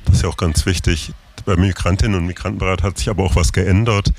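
A man interviewing guests on location, asking fluent, brisk questions. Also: sits low, fairly even intonation, creaky, background noise. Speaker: radio interviewer at a summer festival.

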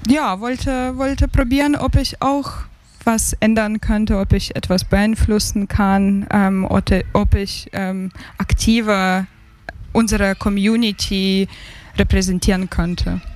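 Slow, hesitant woman from Ukraine. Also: medium pitch, fairly even intonation, darkish tone. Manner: hesitant, many fillers and restarts. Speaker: interview guest, migrant council member. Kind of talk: casual interview answers.

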